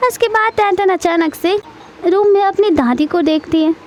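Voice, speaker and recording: A woman narrating a drama recap in a lively, casual storytelling manner. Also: very high voice, moderate pace.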